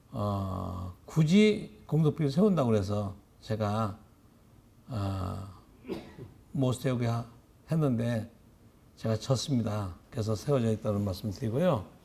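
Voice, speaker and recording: A man with a dark, mellow, somewhat breathy voice speaks very slowly at a medium pitch. His intonation is lively, and he pauses long and often. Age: 70s. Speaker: lecturer, inventor and entrepreneur. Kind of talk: lecture. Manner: halting, with frequent fillers.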